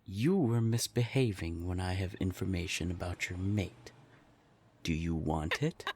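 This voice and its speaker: A man playing a haughty centuries-old vampire in an audio drama, husky and gravelly, with a condescending, taunting, theatrical manner. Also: sits low, unhurried, darkish tone, a little hiss or hum. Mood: smug menace.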